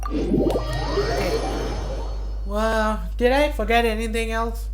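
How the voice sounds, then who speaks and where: A woman gaming creator giving casual gameplay commentary, halting and thinking aloud. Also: on the high side. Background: video game music.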